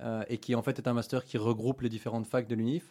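The man speaks at a medium pitch with monotone, flat intonation. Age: 30s. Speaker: startup founder. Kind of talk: radio interview.

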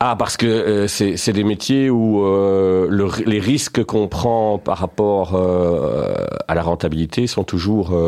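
This man talks at a very slow pace with hardly any pauses. His loudness stays very even. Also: fairly low pitch for a man, ordinary pitch variation. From Brussels, Belgium. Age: 50s. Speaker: construction company executive. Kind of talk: radio interview. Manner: hesitant, many fillers.

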